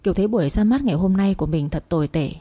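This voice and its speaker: Woman narrating a story, mellow tone. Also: fairly low pitch, lively intonation, rapid-fire. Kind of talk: first-person audio story narration. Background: faint music.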